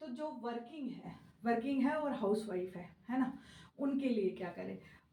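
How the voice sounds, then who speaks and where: A woman speaks at a high pitch with ordinary pitch variation and a dark, mellow tone. Her loudness swings widely, and room echo is audible. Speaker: online exam coaching teacher. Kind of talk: tutorial. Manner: quiet, low energy; halting, many fillers.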